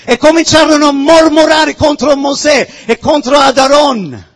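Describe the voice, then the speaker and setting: A man preaching a sermon in Italian, which is not his first language, with fervent shouting that drops to sudden hushes. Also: very high-pitched, measured pace, big-room sound. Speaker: pastor.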